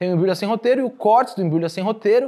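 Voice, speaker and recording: Recorded very cleanly against a silent background, a man with a high pitch speaks with lively intonation. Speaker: podcast host. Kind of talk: casual banter, podcast chat.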